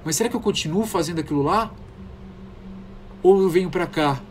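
A man's voice: high voice, fairly quick, slight background noise. A man with a Brazilian accent commentating on a horror game, panicky and easily startled. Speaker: gamer.

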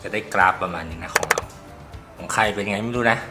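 A man's voice: fairly low pitch, fast talker, music in the background. Man rambling through an earbud review. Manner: rambling, gropes for words, swears casually. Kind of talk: casual tech review talk.

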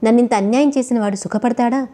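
Heartbroken young wife, bitter and sharp-tongued, kinda high, soft warm tone - lady reading her. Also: fast talker, natural voice. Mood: furious. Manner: bitter, accusing. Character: young woman, deceived bride, fiery and heartbroken.

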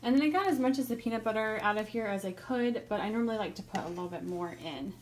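A woman's voice: mid-range voice, fast talker. A young woman chatting casually in a vlog, talking in an easygoing way full of "like" fillers. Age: young adult. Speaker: vlogger.

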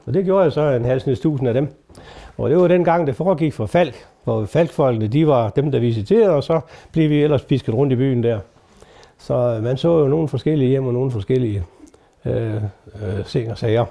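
A man's voice: medium pitch, vocal fry, mellow. An older man, a retired doctor, telling stories from his work to an audience in a hesitant way, with many fillers. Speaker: retired doctor giving a talk. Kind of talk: anecdotal lecture to an audience. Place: talk before a live audience.

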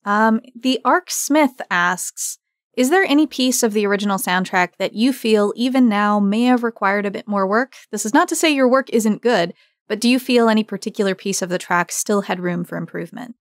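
A woman's voice: mid-range voice, normal speed, no echo. Woman hosting a podcast, dry sound. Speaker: podcast host. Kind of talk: interview hosting.

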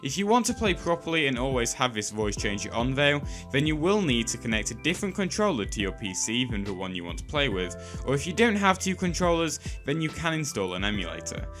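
A man delivers a scripted how-to voice-over in a bright, forward tone. His pitch moves up and down a lot, with emphatic starts and falling phrase endings. Soft music plays behind him. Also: very animated, fairly quick, few pauses. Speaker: tutorial host. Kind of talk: scripted instructional narration. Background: background music.

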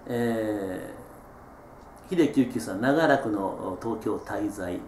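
A middle-aged man, hosting a casual solo radio-style chat. He reads out listener messages in a relaxed, chatty way, with many drawn-out filler sounds. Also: fairly low pitch, slight background noise. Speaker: host reading listener messages. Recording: roomy echo.

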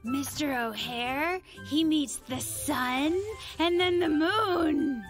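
A big, dreamy cartoon bear with a high, bright voice. The delivery is very slow, simple and enthusiastic, made for a children's show. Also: faint music behind. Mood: dreamy, cheerful.

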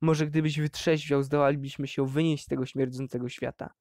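A man voicing a defiant eighteen-year-old miner who answers his father in a low, hissing tone. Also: flat delivery, a little fast, a little mellow, no echo, clean studio sound, lightly acted.

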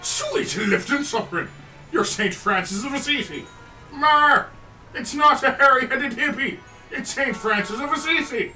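Whiny henpecked Joseph. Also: male voice, very high voice, a little slow, bright, forceful tone, soft background music, exaggerated voice. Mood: amazed. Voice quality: whiny, exasperated. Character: henpecked put-upon husband Joseph, whiny. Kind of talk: comic radio drama. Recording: roomy, distant mic.

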